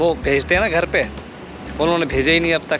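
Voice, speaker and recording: A man's high, monotone voice over background music. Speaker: vlogger. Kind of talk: casual vlog chat. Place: street. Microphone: phone near.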